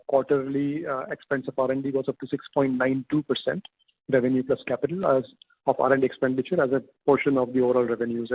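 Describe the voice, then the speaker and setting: A man giving a formal business update as a company executive, speaking in measured, halting short phrases. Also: mid-range voice, husky. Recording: echoey, tinny phone-line conference call.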